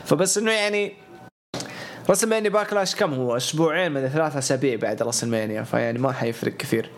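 Fast-talking opinionated man. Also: mid-range voice. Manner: talkative, opinionated, runs through lists. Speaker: podcast co-host. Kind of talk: casual podcast chat.

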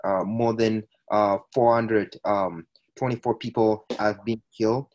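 A man's voice: on the low side, steady tone, unhurried, darkish tone. A man, a podcast guest recounting his life in a hesitant way, with frequent filler sounds and restarts. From Ethiopia. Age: 20s. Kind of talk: personal storytelling in conversation.

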